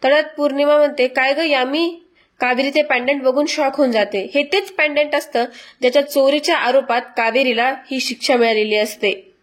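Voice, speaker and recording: Woman, high voice, serial recap voice-over, sympathetic storytelling. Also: fairly quick.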